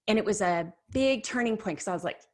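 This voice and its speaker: A woman's voice: mid-range voice, animated, fast talker, darkish tone. A woman leading a workshop in a chatty, conversational storytelling manner, often saying "like" and correcting herself mid-sentence. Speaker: workshop leader.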